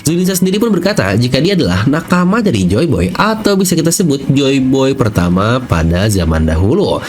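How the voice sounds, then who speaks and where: Lively-voiced man explaining fan theories. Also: medium pitch, brisk, a little hiss or hum. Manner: chatty, explains step by step with casual fillers. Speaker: channel host. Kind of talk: casual theory explainer narration.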